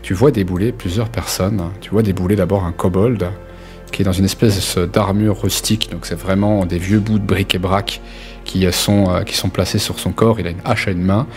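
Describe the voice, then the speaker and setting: A man's voice: sits low, steady tone, moderate pace, soft background music. A man improvising narration as game master of a tabletop role-playing game, in a hesitant, conversational way.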